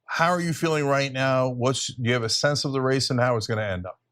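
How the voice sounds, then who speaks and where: A man's voice: mid-range voice, fast, fairly bright tone. A middle-aged man hosting live election night coverage, explaining the early results to viewers with emphasis. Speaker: show host.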